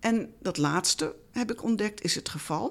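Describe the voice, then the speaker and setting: A woman speaks at a fairly high pitch with vocal fry. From Netherlands, strictly Reformed region. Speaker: explorer and writer. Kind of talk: interview. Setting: studio.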